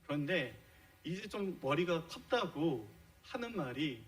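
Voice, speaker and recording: A man's voice: a little high, big pitch swings, unhurried, a bit bright, poor audio. A middle-aged man preaching a sermon in a church, explaining his points earnestly and posing rhetorical questions to the congregation. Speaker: pastor. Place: church sanctuary.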